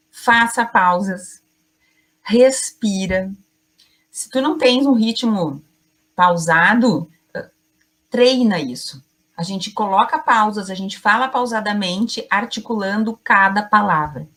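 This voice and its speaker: A middle-aged woman teaching an online class as a communication coach, speaking emphatically in short phrases with deliberate pauses and addressing her audience directly. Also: medium pitch, a bit bright.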